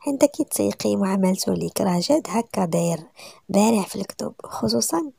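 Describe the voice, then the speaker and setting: A woman's voice: medium pitch, lively intonation, fast talker, creaky, dark tone, husky, dry recording, clean studio sound, full character voice. Woman doing a mocking, jealous Moroccan rival. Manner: mocking and sugary.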